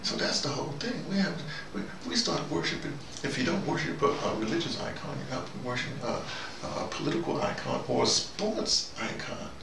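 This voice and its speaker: An older man with a mid-range, animated voice and some vocal fry talks briskly to camera in a rambling opinion monologue, like a video diarist. He muses, wanders off on tangents, and often puts questions to himself. The sound is roomy and distant-miked, with noisy ambient background.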